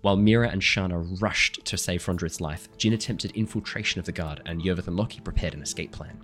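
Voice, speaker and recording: A man running a tabletop game as dungeon master, slightly hoarse, chatty and apologetic while he sets up the session and reads the recap. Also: low-pitched, fairly quick, fairly bright tone, soft background music. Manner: chatty, apologetic, laughing between remarks. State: hoarse after illness.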